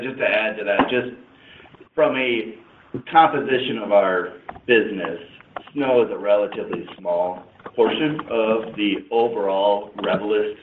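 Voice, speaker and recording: Low-voiced male executive on a roomy phone line. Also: background noise. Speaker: company finance executive on an earnings call. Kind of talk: unscripted business explanation on an earnings call.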